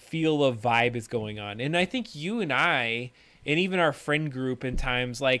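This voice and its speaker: A man shouts loudly at a medium pitch and a moderate pace, his tone bright and sharp. The recording is very clean, with a silent background. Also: ordinary pitch variation. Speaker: livestream co-host. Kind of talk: casual chat. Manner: loud, yelling.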